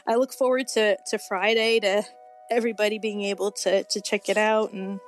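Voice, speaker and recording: A woman in her forties chatting casually as an interview guest, effusive and excitable, often exclaiming. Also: medium pitch, moderate pace, faint music behind. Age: 40s. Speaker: guest horror author.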